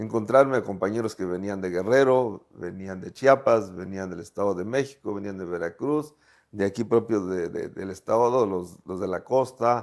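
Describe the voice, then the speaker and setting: On a very clean recording with a silent background, a man speaks at a fairly low pitch and moderate pace. He takes hardly any pauses, and his loudness swings widely. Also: ordinary pitch variation. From Mexico, Sierra region of Oaxaca. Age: 60s. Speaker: lawyer. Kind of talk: interview. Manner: halting, with many fillers.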